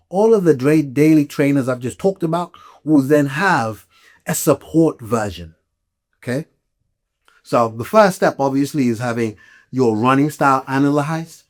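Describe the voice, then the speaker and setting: A man's voice: medium pitch, a little mellow. A man from Malawi talking casually and explanatorily as a podcast host, emphatic and often checking in with the listener. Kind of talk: casual explanatory talk to listeners about gear.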